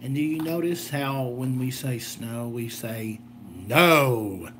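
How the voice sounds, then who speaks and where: A man's voice: mid-range voice, takes it slowly, a bit bright, slight background noise. A slightly tired American man rambling casually through a homemade vlog in a folksy, jokey way. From southern Illinois, United States. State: a little tired. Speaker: gadget video host.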